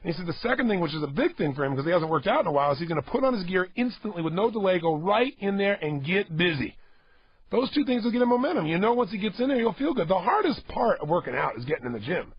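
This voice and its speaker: A man's voice: sits high, big pitch swings, quick pace, breathy edge, no room sound, highs cut off. A man giving a motivational talk to a studio audience, emphatic, repeating himself and urging listeners to act. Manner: emphatic, repetitive and exhorting. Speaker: motivational speaker.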